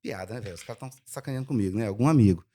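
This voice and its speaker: A middle-aged man with a Goiás accent, a podcast guest who tells stories in a lively way and acts out the dialogue. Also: fairly low pitch, very fast, slight background noise. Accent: Goiás Brazilian Portuguese. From Brazil, Goiás. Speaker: guest, music producer. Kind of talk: casual podcast chat.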